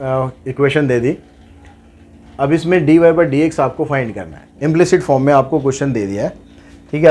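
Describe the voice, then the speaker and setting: A man's voice: fairly high pitch, darkish tone. Man explaining maths steps. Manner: explains steps aloud, asks and answers his own questions. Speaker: maths teacher. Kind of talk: online maths lesson.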